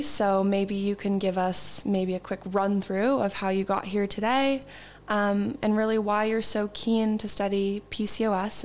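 Upbeat young woman hosting a podcast. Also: mid-range voice. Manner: upbeat and enthusiastic. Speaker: podcast host. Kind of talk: podcast interview. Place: university institute in London.

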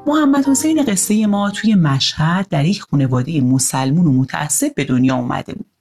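Animated woman reading a story. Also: low-pitched, faint music behind.

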